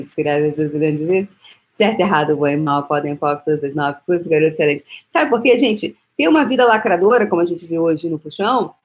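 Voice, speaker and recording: A woman with a Brazilian Portuguese accent hosting a motivational live-stream talk, energetic and coaxing, fond of repeating phrases like a mantra. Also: on the low side. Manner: speaks intimately to the listener. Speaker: host.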